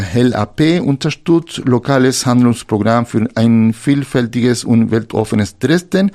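Radio host, slow German. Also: male voice, mid-range voice, darkish tone. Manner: slow, searching non-native German with grammar slips. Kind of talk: community radio interview. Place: radio studio.

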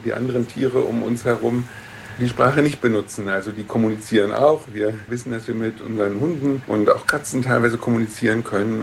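A man explains his field in a radio interview, calm and measured in his delivery. His voice has a gravelly edge. Faint noise sits beneath it. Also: medium pitch. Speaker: interviewed expert.

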